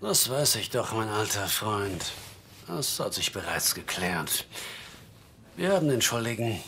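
An actor in a German radio play playing a menacing, mocking gang boss with a theatrical, drawn-out delivery. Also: male voice, lowish voice, sing-song, sharp tone, slight background noise, exaggerated voice. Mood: mockingly friendly. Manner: theatrical, slow, drawn-out taunting with chuckles.

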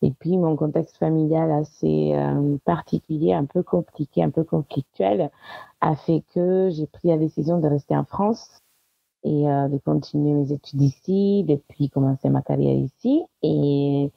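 A woman's voice: deep voice, steady tone, unhurried, gravelly, no room sound, dull audio. A woman in her thirties, a guest in an interview, talking casually with frequent small laughs and hesitations. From Italy. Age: 30s. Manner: warm, laughs often, many hesitations.

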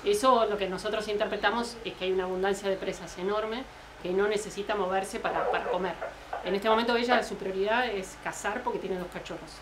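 Argentine woman, conservationist, unscripted interview speech, mid-pitched, faint noise behind her. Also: fairly even intonation, a little fast. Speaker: conservation project worker being interviewed.

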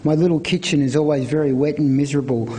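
Mellow man, measured reading. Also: a little high, steady tone, rough recording. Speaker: speaker reading historical letters at a speech event. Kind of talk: measured reading of a prepared script. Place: on stage at a live event.

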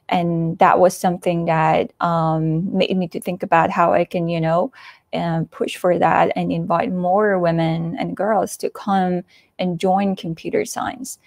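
Earnest woman speaker, low dry voice. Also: vocal fry, darkish tone, dry recording. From Afghanistan. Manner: earnest, frequent "um" fillers. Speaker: conference speaker. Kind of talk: prepared talk over video call. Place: small indoor room with wood panelling. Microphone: earphone headset mic on video call.

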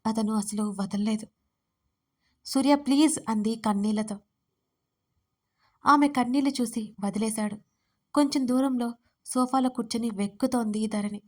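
A woman narrates her own storybook in a steady, even way. Her voice sits somewhat high. She reads the lines clearly as writer and narrator. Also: moderate pace, pauses often.

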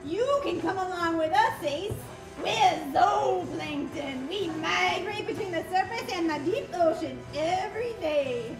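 A woman's voice: very high voice, expressive, unhurried, music in the background. A woman puppeteer voicing a laid-back, slangy zooplankton leader in a live puppet show. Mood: friendly. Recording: roomy hall, from far off.

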